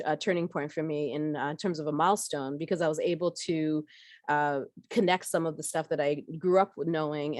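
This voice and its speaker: A woman's voice: low-pitched, no echo, clean studio sound. A middle-aged woman from Barbados giving a conversational workshop talk about her background, with frequent fillers and restarts. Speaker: workshop speaker.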